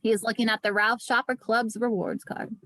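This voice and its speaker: A woman with a fairly high voice and a dry, close sound narrates a screenplay. She reads stage directions as scripted narration for a table read. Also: fairly even intonation, brisk, a bit bright, dry recording.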